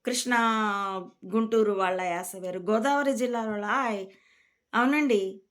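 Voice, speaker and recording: A woman from Rayalaseema, a spiritual teacher, giving a calm, reflective discourse to her followers. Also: medium pitch, moderate pace. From Rayalaseema, India.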